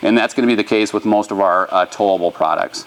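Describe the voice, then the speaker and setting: A man speaks with an American accent. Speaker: RV dealership presenter. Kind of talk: live product webcast. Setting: dealership parts store. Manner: monotone.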